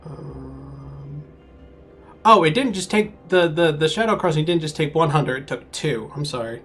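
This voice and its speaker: A man's voice: a little high, moderate pace, fairly bright tone, husky, faint music behind. A man acting as game master, casually narrating a tabletop game to his players.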